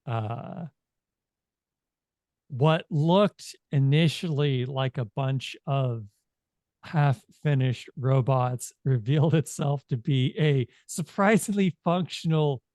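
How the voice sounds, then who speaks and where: A man speaking in a halting, informal way as he narrates a tabletop game as game master. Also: mid-range voice, a little mellow, no echo, studio quality.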